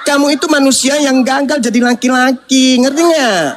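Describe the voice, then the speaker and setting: A man's voice: very high-pitched, fairly even intonation, moderate pace, fairly bright tone, slight background noise. A man, hosting a heated livestream debate, mocking and scolding with bursts of laughter. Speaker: debate host.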